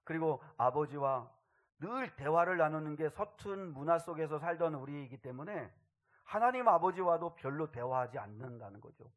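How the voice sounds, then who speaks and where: Male pastor, slightly high voice, sermon storyteller, swells into loud, impassioned bursts. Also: animated, normal speed, muffled recording. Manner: storytelling, rising to loud emotional outbursts.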